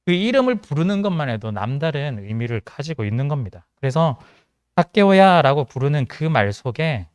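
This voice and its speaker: A man's voice: medium pitch, sing-song, brisk, hardly any pauses, no echo. A male pastor with a mild Gyeongsang accent, giving a conversational sermon with joking asides. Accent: mild Gyeongsang Korean. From Gyeongsang region of South Korea. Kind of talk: sermon to a young adults' congregation.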